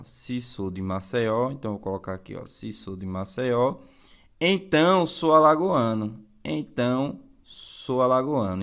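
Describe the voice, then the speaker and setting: A man with a Brazilian accent and a mid-range voice teaches an exam-prep lesson in a didactic style, repeating key phrases and checking in with his listeners.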